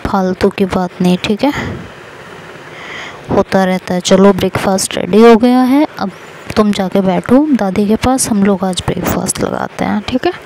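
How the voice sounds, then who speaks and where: A woman's voice: medium pitch, normal speed, mellow, slight background noise, close to an everyday voice, rough recording. A woman storyteller voicing a teasing, doting middle-aged mother-in-law who scolds and then fusses. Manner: scolding then fussing, affectionate.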